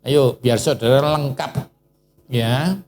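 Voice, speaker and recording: A man preaching a sermon in Indonesian churches' lively style, asking the congregation questions and calling on a reader. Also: mid-range voice, takes it slowly, faint music behind.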